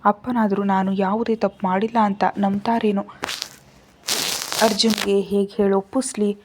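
A woman reading the part of a gentle, frightened teenage girl who pleads softly and sadly. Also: medium pitch, little pitch movement, moderate pace, a little hiss or hum, lightly acted. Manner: pleading, trembling, soft.

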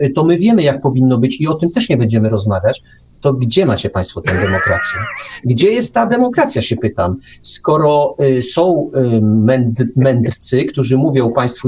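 Slight background noise sits behind this medium-pitched, darkish male voice. A radio show co-host and commentator, he gives a sarcastic, opinion-heavy monologue full of emphatic rhetorical questions and repetition.

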